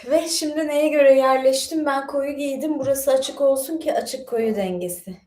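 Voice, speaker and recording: Woman rambling on a casual livestream, bit high voice, echoey room. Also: moderate pace, darkish tone. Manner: chatty, rambling, many fillers and asides. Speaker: livestream host.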